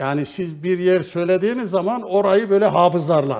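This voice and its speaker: A man speaks in a high voice with ordinary variation in pitch. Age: 70s. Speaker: retired engineering professor. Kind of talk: religious talk show conversation.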